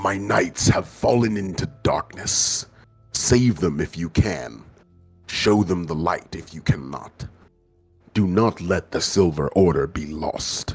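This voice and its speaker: A man's put-on character voice, very deep and low, hissing at a fairly slow pace over background music. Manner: solemn, commanding.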